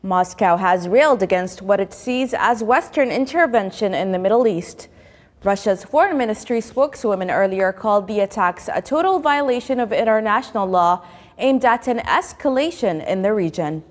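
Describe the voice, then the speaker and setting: A woman's voice: mid-range voice, lively intonation, moderate pace, big-room sound. A woman news presenter reading a formal, scripted news bulletin.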